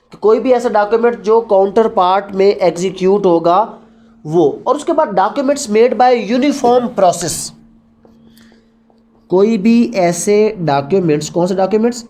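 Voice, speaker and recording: A woman's voice: medium pitch, warm tone. A woman with a Pakistani accent lecturing as a law teacher, posing questions and answering them herself, mixing Urdu with English terms. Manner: didactic, asks questions then answers them.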